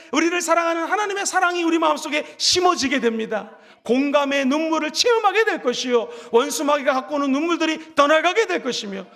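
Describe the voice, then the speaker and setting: A man preaching a Sunday sermon in a church sanctuary, his voice sitting very high for a man. He builds to dramatic rises and calls on the congregation to repeat after him. Long hall reverb trails every phrase. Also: creaky, fairly bright tone. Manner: preaching with dramatic rises and call-and-response prompts. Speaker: pastor.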